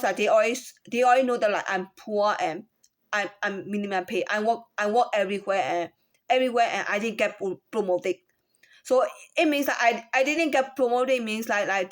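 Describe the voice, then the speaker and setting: A woman with a Chinese accent gives a halting personal account of a workplace complaint, often repeating words and asking rhetorical questions. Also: a little high. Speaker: former store employee.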